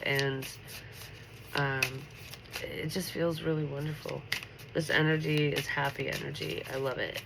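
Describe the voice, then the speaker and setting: A congested woman talks through a late-night tarot reading in a chatty, upbeat way, her voice sitting in a gravelly fry. Steady noise hums under the recording, and cards shuffle now and then. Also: deep voice. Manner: chatty and upbeat, full of filler words. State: stuffy, congested nose. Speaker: tarot reader.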